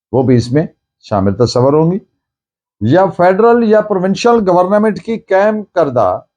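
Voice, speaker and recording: A Pakistani man delivers a formal law lecture at a slow, measured pace. His voice sits fairly high and rises and falls markedly as he stresses key phrases. He is deliberate and emphatic, often restating a point. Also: a little mellow. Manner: deliberate, emphatic, repeating points in Urdu and English. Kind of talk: formal lecture, reading out and explaining legal text.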